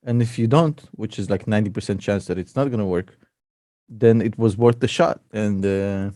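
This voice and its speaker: A man's voice: lowish voice, moderate pace, dark tone, no room sound, clean studio sound. A man chatting casually as an investor, joking, teasing and swearing freely. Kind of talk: casual chat.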